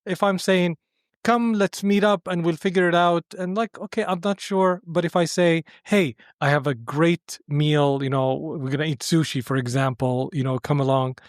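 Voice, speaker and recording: A man's voice: on the high side, steady tone, normal speed, no echo, studio quality. A man from Syria speaking as a podcast guest, explaining his thinking in a conversational interview.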